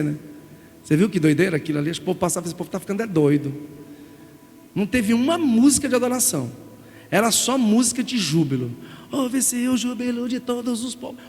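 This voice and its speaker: A middle-aged Brazilian man preaching a sermon, telling an emotional story in an animated way. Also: sits high. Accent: Brazilian Portuguese. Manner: emotional storytelling, animated, calls listeners "gente". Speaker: pastor. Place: church sanctuary. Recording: reverberant church hall with music.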